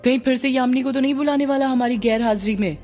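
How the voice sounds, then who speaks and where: A woman's voice: sits high, fast, darkish tone, soft background music, voice pushed up, lightly acted. A woman voicing a young man who keeps coaxing and teasing his friend in a pushy way. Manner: insistent, coaxing.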